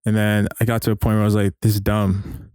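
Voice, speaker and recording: Young man, low-pitched, laid-back slangy chat, dry sound. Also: completely flat delivery, fast talker, a little mellow, clean tone, no echo. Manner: easygoing, laughs often, slangy. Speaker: podcast co-host. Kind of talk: casual chat.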